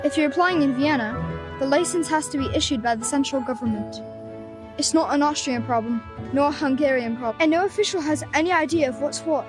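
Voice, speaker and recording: An actress playing a cheeky, streetwise young arcanist in a video game, teasing, theatrical and talkative. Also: female voice, high-pitched, fairly quick, close to an everyday voice. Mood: sardonic. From Bosnia and Herzegovina. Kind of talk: video game story voice acting. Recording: loud music under the voice.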